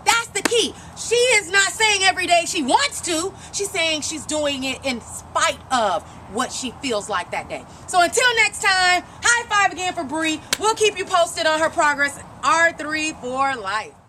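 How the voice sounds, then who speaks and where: A woman's voice: very high voice, animated, measured pace, hardly any pauses, pushed and bright, slight background noise. A woman coach interviewing and giving an emphatic, encouraging pep talk, repeating phrases for emphasis.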